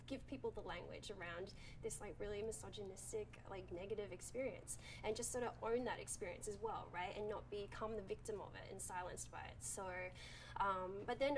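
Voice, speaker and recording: A woman's voice: medium pitch, slight background noise, poor audio. A woman with an Australian accent, a director talking casually about her film, full of "like" and "um". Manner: chatty, heavy use of "like" and "um". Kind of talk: casual interview answers.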